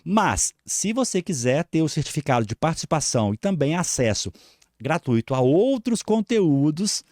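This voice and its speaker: A man's voice: a little high, very animated, moderate pace, darkish tone. A man with a Brazilian accent hosting a live online show, giving announcements and introducing a guest.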